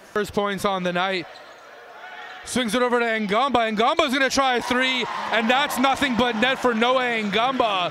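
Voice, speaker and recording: Over noticeable background noise, a man uses a raised, projected voice at an extremely high pitch, speaking at a moderate pace with ordinary pitch variation and very even loudness. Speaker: basketball play-by-play commentator. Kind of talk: live sports commentary.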